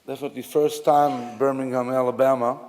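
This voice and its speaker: A man from Israel with an Israeli accent, giving a memorial eulogy in a halting, reflective way with many fillers and restarts. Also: mid-range voice, flat delivery, a little mellow. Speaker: officiant at a memorial service. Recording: long hall reverb.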